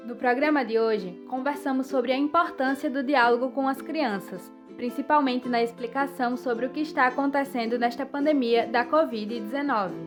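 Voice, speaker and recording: Woman, Brazilian accent, high pitch, scripted presenting, background music. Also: fairly even intonation, moderate pace, few pauses. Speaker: podcast presenter. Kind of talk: scripted narration.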